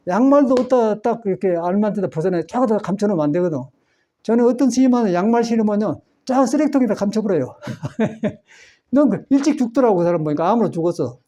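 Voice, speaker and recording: A man's voice: high-pitched, lively intonation, quick pace, warm tone, lo-fi sound. A man, a Buddhist monk, giving a folksy Sunday dharma talk in a temple hall, chatty and meandering with frequent chuckles. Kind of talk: folksy sermon.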